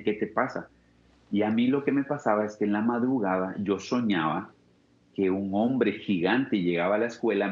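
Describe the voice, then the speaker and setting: A man's voice: lowish voice, echoey room. A young man with a Guatemalan Spanish accent giving an earnest, reflective personal testimony as an interview guest, often restarting his sentences. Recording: dull lo-fi sound.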